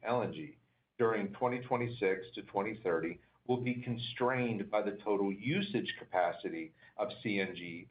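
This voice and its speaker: A man reading scripted earnings call remarks as a chief executive, in a stiff, formal manner. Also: lowish voice. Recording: tinny narrow phone line.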